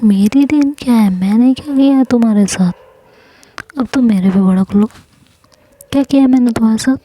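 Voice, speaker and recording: A woman's voice: a little high, moderate pace, mellow, lightly acted. A woman voicing a playful young woman who teases and coaxes the girl she loves. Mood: teasing. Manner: teasing, coaxing.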